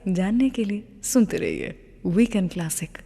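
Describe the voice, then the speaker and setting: A woman hosting a radio show, chatting warmly and telling stories between songs, building up what comes next. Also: medium pitch, moderate pace, gravelly, husky, long reverb tail. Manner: lively storytelling, teasing what comes next. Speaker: radio host.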